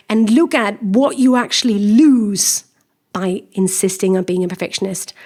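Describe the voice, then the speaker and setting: A woman in her forties from Denmark with a Danish accent, a career coach hosting her own podcast and talking straight to the listener in a lively, encouraging way. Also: mid-range voice. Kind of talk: solo podcast monologue.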